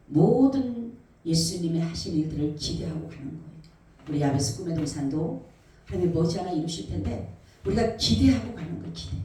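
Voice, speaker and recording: A woman pastor preaching with fervent passion, her voice swinging from loud cries down to hushed near whispers. Her tone is dark and mellow. She is heard from a distance in a church sanctuary full of heavy, roomy echo. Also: fairly low pitch. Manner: impassioned preaching, acting out cries and quotes with swings of loudness. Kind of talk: sermon.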